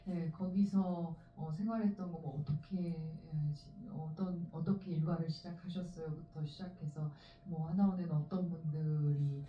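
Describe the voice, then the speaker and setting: An actress talks frankly at a film screening in a chatty way, full of small fillers. Her voice is a little low. It comes from far off in an echoey cinema, dull and faintly hissy. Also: steady tone, normal speed, few pauses. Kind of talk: panel Q&A answer. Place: cinema auditorium. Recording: distant echoey lo-fi audience recording.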